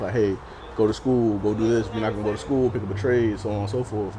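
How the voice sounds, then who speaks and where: A man speaks at a medium pitch with fairly even intonation. His pace is fairly quick, and there is noticeable background noise. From Boston, Massachusetts (Hyde Park, Dorchester). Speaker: barber. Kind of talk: interview.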